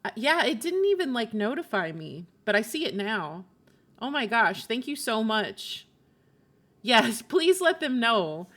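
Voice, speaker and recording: Bright-voiced woman chatting on a game livestream. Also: fairly high pitch, very animated, unhurried. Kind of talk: casual livestream chat while playing.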